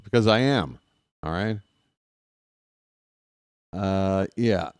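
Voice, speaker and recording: In casual pregame talk on his live baseball stream, a sinus-congested man stays relaxed and chatty, dropping in frequent "uh"s. He speaks low, drawing out his words, and the audio is clean with no room sound.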